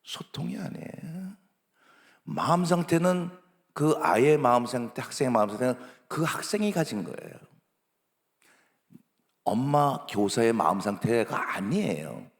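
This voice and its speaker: Male pastor, sermon, gravelly fry, animated lively pitch, long church hall reverb. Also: measured pace, pauses often. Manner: swings from hushed whispers to loud pleading emphasis; acts out parents scolding children. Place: church sanctuary.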